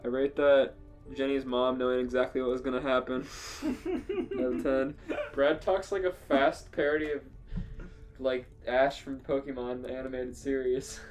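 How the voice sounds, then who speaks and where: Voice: mid-range voice, level tone, normal speed, darkish tone, soft background music. A podcast co-host in casual comedic banter and story reading, incredulous and joking, often laughing while talking.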